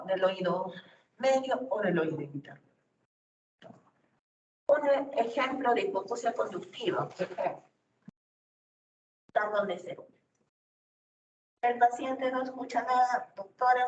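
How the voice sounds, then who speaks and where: A woman giving a university lecture, explaining step by step and often checking in with rhetorical questions. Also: fairly high pitch. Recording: distant, roomy, dull lo-fi recording with faint noise.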